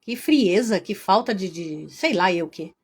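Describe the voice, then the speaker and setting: A woman with a Brazilian Portuguese accent teaching a Christian workshop lecture in a lively, chatty way, addressing her audience directly. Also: mid-range voice, measured pace, husky.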